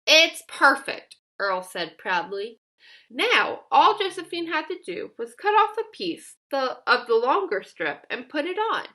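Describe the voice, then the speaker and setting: Female storybook narrator, high and very lively in pitch, expressive scripted read-aloud for children with emphatic delivery. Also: measured pace. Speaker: storybook reader.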